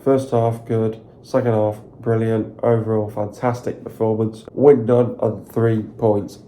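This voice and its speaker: Hoarse man gushing about a football win. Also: fairly low pitch, measured pace, slight background noise. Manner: repetitive, filler-heavy, excited rambling. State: hoarse, sore throat. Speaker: football fan channel host. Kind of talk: casual solo video commentary.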